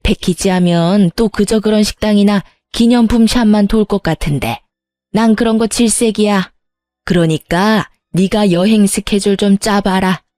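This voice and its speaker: A woman's voice: medium pitch, normal speed, a little mellow, dry recording, studio quality, faint music behind, natural voice. A woman voicing a bossy, demanding older mother-in-law who scolds and pushes in a storytelling video. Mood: pushy. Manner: pushy, scolding.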